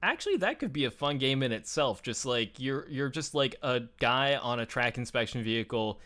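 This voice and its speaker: A man's voice: mid-range voice, expressive, normal speed, bright, forceful tone. A man chatting casually and explaining things in a conversational, enthusiastic way, as a show host.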